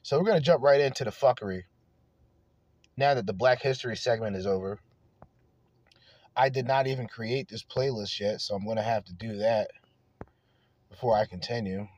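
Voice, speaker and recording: A man hosting an off-the-cuff stream, rambling and swearing as if high, in a stoned manner. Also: normal speed, long pauses, a little mellow, no room sound, dull audio. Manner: profane, emphatic. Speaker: streamer and show host. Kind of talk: off-the-cuff ranting commentary.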